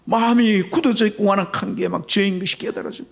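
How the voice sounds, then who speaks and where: A man preaching a Sunday sermon as pastor, telling a story with sudden swings between loud high passages and low hushed ones. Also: steady tone, quick pace, vocal fry. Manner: storytelling with sharp swings in pitch and loudness. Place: church sanctuary.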